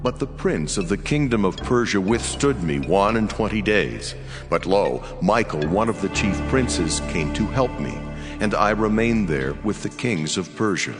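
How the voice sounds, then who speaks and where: A man playing a solemn, mighty angelic messenger in a dramatized scripture reading, measured and commanding. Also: fairly low pitch, lively intonation. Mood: solemn, reassuring. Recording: long reverb, music behind. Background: music.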